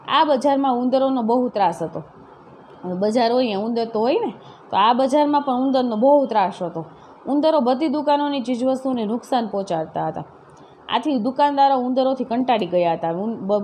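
A woman with a Gujarati accent teaching a story lesson, reading each line and then retelling it plainly for her pupils. Her voice sits a little high, and a faint hum of noise runs under the recording. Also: mellow. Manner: reads a line, then retells it in plain words with tag questions. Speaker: school teacher. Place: classroom-style video lecture.

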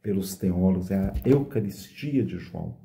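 A middle-aged priest from Brazil reads scripture and reflects on it slowly, filling his pauses with a questioning "né?". His voice is dark and gravelly, and his pitch rises and falls widely as he stresses words. He talks close to a phone in a small room indoors. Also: expressive. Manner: slow, reflective, asks "né?" often. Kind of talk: reading and explaining scripture. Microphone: phone camera at close range.

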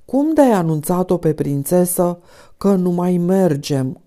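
Woman doing sick male painter, hoarse, irritated, low mellow voice, audiobook. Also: lively intonation, close to an everyday voice. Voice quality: hoarse, strained. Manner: agitated, exasperated.

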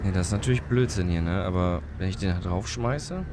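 Low-voiced guy with a cold doing casual game commentary, talks to the characters, noisy background. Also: brisk. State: has a cold, coughing. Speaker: let's play host.

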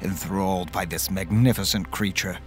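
Deep-voiced doomed man played by an actor. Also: steady tone, normal speed, music in the background, close to an everyday voice. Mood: grave, enthralled. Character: doomed man recounting his death at a vampire's hands. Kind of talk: dramatic first-person horror narration.

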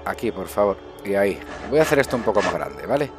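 Male gaming host, middle-aged, Spain accent, lowish voice, chatty think-aloud commentary over faint music. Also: big pitch swings, fast talker. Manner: chatty, thinking aloud with muttered asides and self-questions. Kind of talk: casual improvised gameplay commentary. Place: indoors at a desk, webcam view.

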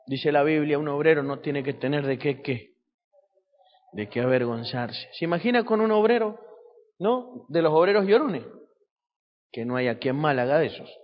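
Male pastor, high voice, sermon with rhetorical questions, muffled recording in an echoey church hall. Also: lively intonation, moderate pace. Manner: preaching with rhetorical questions to the congregation.

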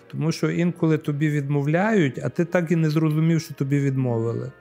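Speaking a little high, briskly and with some creak, a forties-aged Ukrainian priest fields interview questions with faint music in the background. A lapel mic picks up his thoughtful, filler-laden replies, which grow animated as he acts out scenes. He's first in a library studio, then in an outdoor courtyard.

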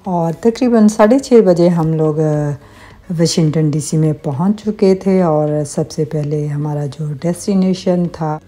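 Calm low-voiced woman narrating a vlog. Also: faint music behind. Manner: calm, unhurried narration with religious greetings and hesitations. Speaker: vlogger. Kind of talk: voice-over narration of a travel vlog.

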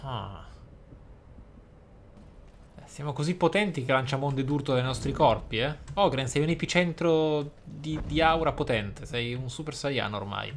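A man gives roleplay-style commentary on a video game. His voice is medium in pitch, his wording wry and slightly formal. Game sound is clearly present behind him. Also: expressive, measured pace, slight background noise. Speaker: gaming video host.

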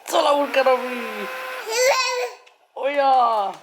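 A mother narrates her baby's antics at home, full of exclamations and cooing asides to the child. Her pace is slow and drawn out, and a faint hiss runs under the recording. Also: high voice. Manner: animated, exclaiming, laughing, talking to baby. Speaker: vlogger mother. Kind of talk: casual home vlog. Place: home indoors.

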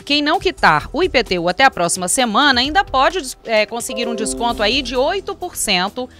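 A woman's voice: fairly high pitch, very animated, brisk, over music. A young woman reading a city news bulletin in a small radio studio, adding chatty asides. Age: young adult. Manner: reads from paper with chatty asides. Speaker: news presenter. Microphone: studio mic on desk.

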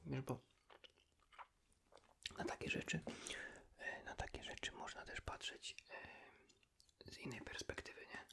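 Man whispering softly in ASMR. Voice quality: soft breathy whisper. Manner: hushed, intimate, unhurried, addressing the listener as a friend. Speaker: ASMR creator, host. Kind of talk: whispered ASMR role-play chat with a friend.

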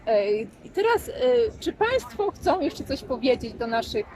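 A woman's voice: high-pitched, big pitch swings, unhurried, a little mellow, low-quality recording. A woman hosting a vlog interview in a courteous, slightly hesitant, formal way. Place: outdoors in a town street. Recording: outdoor recording with crowd and traffic.

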